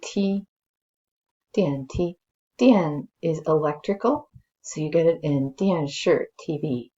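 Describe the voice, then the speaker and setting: A woman's voice: low-pitched, slow, dark tone, dull audio. A woman who is a native English speaker, teaching informally as a language teacher and thinking aloud as she explains. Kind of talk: slow dramatic story read-aloud, then casual lesson commentary.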